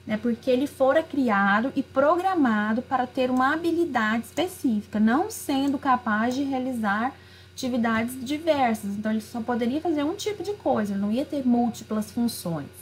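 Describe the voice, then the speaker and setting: A woman teacher with a fairly high voice reads worksheet questions aloud and then explains each answer. She talks through them in a relaxed way and fills gaps with small tags. She recorded it as a video lesson over an on-screen page. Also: moderate pace. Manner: frequent fillers like "né" and "aí". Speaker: literature teacher.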